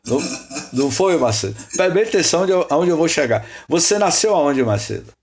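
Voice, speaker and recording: A man's voice: on the high side, animated, a little fast, a little mellow. Rambling man leading a study talk. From Salvador, Bahia, Brazil. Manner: rambling, repeats words, asks rhetorical questions, calls on people by name. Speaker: host leading a spiritist study session. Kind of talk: informal teaching talk.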